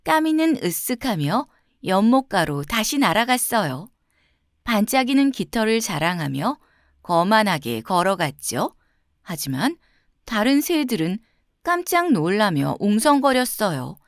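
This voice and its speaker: Expressive woman reading children's fairy tales. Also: mid-range voice, unhurried, no echo, studio quality. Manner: expressive, clearly phrased storytelling. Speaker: children's storyteller. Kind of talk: scripted fairy-tale narration for children.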